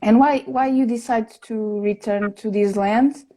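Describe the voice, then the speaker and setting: Mellow-voiced woman host, halting and slow. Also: a little high, fairly even intonation. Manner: hesitant, halting questions with many fillers. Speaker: event host. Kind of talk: hosting a panel conversation.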